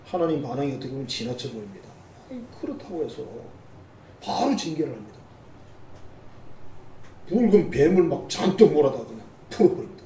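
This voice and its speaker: High, lively pastor in a roomy church. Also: male voice, brisk, pauses often, slight background noise. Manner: conversational, teasing asides to the congregation. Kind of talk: sermon. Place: church sanctuary. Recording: roomy church sound from a distant mic.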